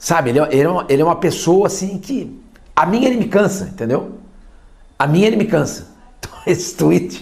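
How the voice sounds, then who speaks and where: This man has a high pitch and ordinary pitch variation. He talks at a fairly quick pace but with long, frequent pauses. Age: old. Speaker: football commentator. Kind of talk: TV sports panel discussion.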